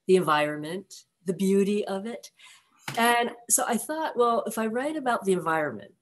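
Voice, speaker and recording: An older woman from the San Francisco Bay Area, an author talking over a video call in a relaxed, reflective way with many pauses. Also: medium pitch, a little hiss or hum. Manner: relaxed, reflective, light laughs, many ums. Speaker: author guest. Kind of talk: conversational interview answers. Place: home room with block wall. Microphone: video call webcam.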